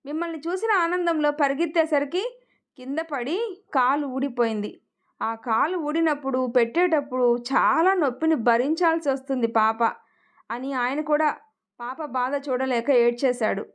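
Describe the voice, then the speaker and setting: A woman narrating an emotional family story with an expressive, feeling reading. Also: high voice, normal speed.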